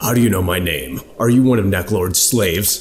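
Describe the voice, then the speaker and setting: Putting on a character voice, a man speaks at a moderate pace with fairly low pitch and lively intonation over clear background noise. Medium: actual play. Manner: brash, blunt.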